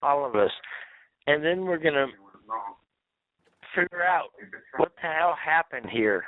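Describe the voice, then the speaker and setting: A man leaving a rambling voicemail over the telephone, talking in a halting, repetitive, drawn-out way. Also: on the high side, expressive. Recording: tinny phone-line voicemail.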